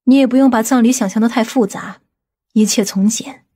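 A woman playing a composed, authoritative middle-aged aunt in audiobook drama dialogue, speaking in a measured way. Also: fairly high pitch, warm tone, breathy edge. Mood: composed, instructing.

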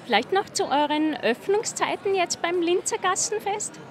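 Lively woman hosting a street interview. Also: extremely high pitch, normal speed. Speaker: host. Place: outdoor street festival. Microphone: handheld mic. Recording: street noise behind.

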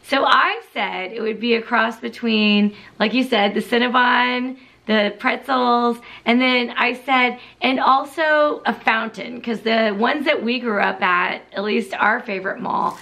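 A woman's voice: on the high side, a little slow, vocal fry, sharp tone. A middle-aged woman co-hosting a casual vlog, talking to camera in an upbeat, bubbly way and laughing often. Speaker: co-host. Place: indoor home studio set.

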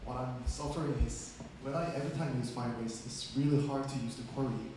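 A man's voice: medium pitch, steady tone, fast talker. A man in the audience politely asking a question, searching for his words. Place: meetup venue, indoors. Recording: echoey room with noise.

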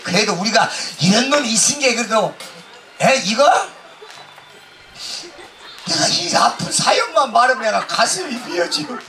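A man doing loud, brash stage comedy outdoors, heckling the crowd through a handheld mic. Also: very high-pitched, animated, normal speed, long pauses, faint music behind. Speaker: pumba street performer. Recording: distant outdoor PA with noise.

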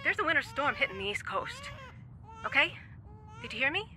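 A woman's voice: high voice, wildly swooping pitch, fairly quick. An actress playing a caring Christian friend who pleads earnestly with a troubled young mother.

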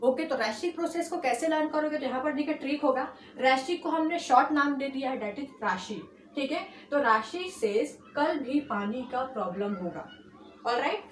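A woman with a high voice teaches chemistry, switching between English and Hindi and checking in with her students after nearly every phrase. She stretches key terms slowly and hurries through the linking words. She sounds a little far from the mic in a roomy, echoing space with a faint hum behind her. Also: lively intonation. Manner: mixes English and Hindi, repeats "ठीक है" and "alright" as check-ins. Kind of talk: whiteboard lesson. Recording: echoey room, far from mic.

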